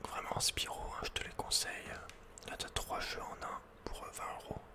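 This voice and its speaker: A man speaks entirely in a breathy, unvoiced whisper. He comments on his video game casually and with slang, often muttering to himself. The delivery is ASMR, spoken close to the microphone. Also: moderate pace.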